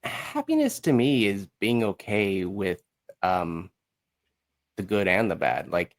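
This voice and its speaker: A man's voice: lowish voice, very animated, slow. A man speaking as an interview guest in casual conversation, informal and hesitant as he searches for his words. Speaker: podcast guest, musical creator.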